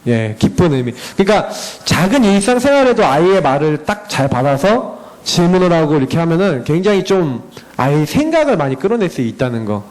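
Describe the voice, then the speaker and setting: A man's voice: fairly high pitch, fairly quick, low-quality recording. A man in his thirties, a parent giving a slide presentation at a church education session, telling stories about his children and acting out their talk. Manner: animated storytelling, acting out dialogue with his children.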